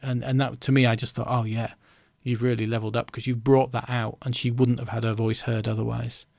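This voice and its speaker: Gravelly man, chatty and reflective. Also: medium pitch, flat delivery, a little fast, darkish tone, dry recording. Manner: chatty, reflective, with fillers like "you know". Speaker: learning and development professional. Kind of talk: casual conversational chat.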